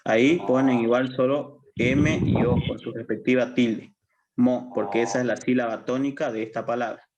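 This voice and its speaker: A Bolivian man leads a university language class in a mid-pitched voice. He explains step by step and repeats his points. He keeps asking the students whether it is clear. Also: fairly even intonation, normal speed, heavy background noise. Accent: Bolivian Spanish. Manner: patient, repetitive, checks understanding often. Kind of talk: online class lecture.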